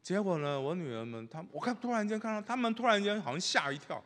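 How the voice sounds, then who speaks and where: A middle-aged man, a pastor, preaching a sermon with animated storytelling, swinging from loud bursts to hushed asides. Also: sits high, quick pace. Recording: long reverb of a large hall.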